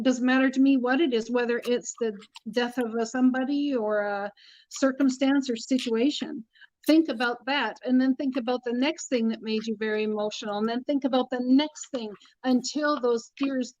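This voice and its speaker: A middle-aged woman with a fairly high voice teaches tarot in a casual spiritual chat, speaking earnestly and repeating her points for emphasis. The recording is dry, with a dull lo-fi sound.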